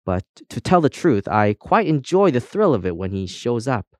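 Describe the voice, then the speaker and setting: A man's voice: mid-range voice, big pitch swings, normal speed, darkish tone, no room sound, clean studio sound, close to an everyday voice. A man voicing a chatty, cheerful female compass in a children's audiobook, with breezy, boastful colloquial talk.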